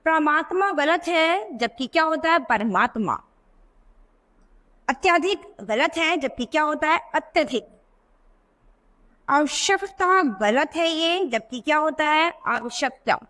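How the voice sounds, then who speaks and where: A woman's voice: sits high, lively intonation, bright, forceful tone. A woman teacher explaining spelling corrections in a classroom lesson, asking questions and answering them herself. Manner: slow deliberate word-by-word examples. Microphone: voice-over for a video book.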